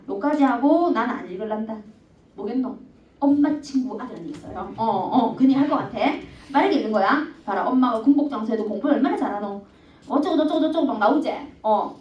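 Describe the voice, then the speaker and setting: A woman teacher with a Gyeongsang accent lecturing a class, constantly asking students questions. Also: fairly high pitch. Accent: Gyeongsang dialect. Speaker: Korean language teacher. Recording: echoey classroom from far off, dull.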